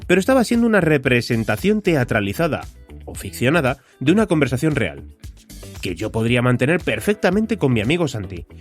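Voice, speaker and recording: A man from Spain with a Spanish accent hosts a podcast solo, talking conversationally straight to the listener and posing rhetorical questions. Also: mid-range voice. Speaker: podcast host.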